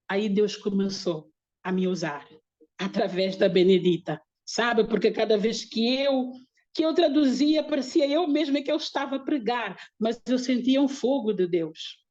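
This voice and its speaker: Woman, higher-pitched, earnest testimony delivery, dull lo-fi sound. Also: a little mellow. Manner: earnest, emotional storytelling. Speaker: missionary giving testimony. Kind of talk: religious testimony.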